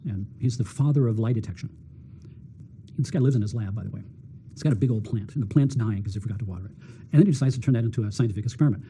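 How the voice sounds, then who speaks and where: A middle-aged man talks quickly and eagerly, his voice dark and a little husky. He tells stories as a doctor being interviewed, often repeating words and acting out what people said. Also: on the low side. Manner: energetic, repeats words, acts out quotes. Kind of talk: animated storytelling talk.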